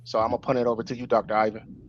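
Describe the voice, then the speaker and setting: A man's voice: medium pitch, little pitch movement, racing. Man co-hosting, dull lo-fi call audio. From Ohio, United States. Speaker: webinar co-host asking questions. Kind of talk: casual webinar chat. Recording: dull lo-fi call, faint noise.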